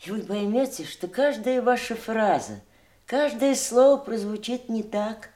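An actress playing a worldly, twice-widowed middle-aged woman in a theatrical Russian audio drama, speaking with emphatic, deliberate eloquence. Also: fairly high pitch, mellow, natural voice. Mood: impassioned reproach.

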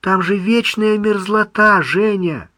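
A man's voice: slow, no echo, exaggerated voice. A man voicing an older woman in her sixties, a fussy, loving mother talking with her son on the phone. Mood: doting, anxious. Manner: high, lively, doting and teasing.

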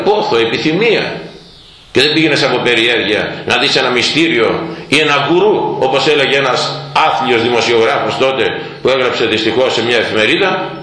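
Man, preacher, sermon, bright tone, lively voice, acted-out quotes. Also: mid-range voice. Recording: very echoey room.

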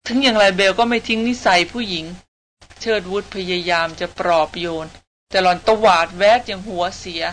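A woman reading a novel aloud as an audiobook narrator, in an even, steady storytelling manner. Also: medium pitch, slight background noise.

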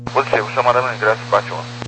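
A man's voice: fairly low pitch, steady tone, rapid-fire, pushed and bright, soft background music, poor audio. A man, an airline pilot, speaking over an aviation two-way radio in terse, formal radio phraseology. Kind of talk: air traffic radio exchange.

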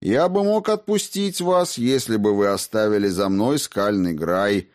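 A man's voice: lowish voice, measured pace. A man voicing a cocky, defiant schemer who brushes off accusations, in a storybook reading. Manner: indignant, then calm and dismissive.

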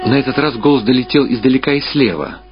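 A man narrating a story for radio in a measured, somber way. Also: mid-range voice. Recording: dull archival radio recording with loud music.

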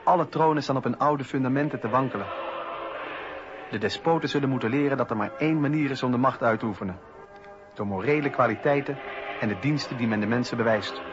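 An actor playing a principled eighteenth-century male philosopher-politician, speaking in measured, earnest, formal testimony for a radio docudrama. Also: medium pitch, music in the background, natural voice. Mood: earnest conviction. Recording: dull, noisy old radio recording.

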